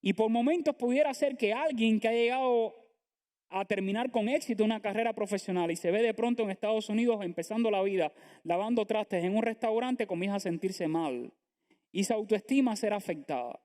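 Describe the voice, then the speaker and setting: A man's voice: high voice, a little fast, darkish tone. A man preaching a sermon to a congregation as pastor, earnest and full of rhetorical questions. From Latin America. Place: church sanctuary.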